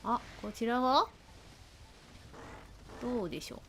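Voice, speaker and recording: Fast-talking bilingual woman gaming. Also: on the high side, expressive, a little hiss or hum. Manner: switches between Japanese and English, restating each line; chatty, answers chat while playing. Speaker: bilingual game streamer. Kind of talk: casual live gameplay commentary.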